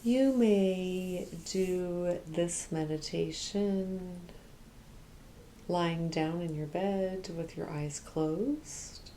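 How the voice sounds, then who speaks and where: Very slow, hushed, low-voiced woman. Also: slight background noise. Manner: hushed, soothing, slow with long pauses, at times whispering. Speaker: Reiki practitioner and meditation guide. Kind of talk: ASMR guided meditation.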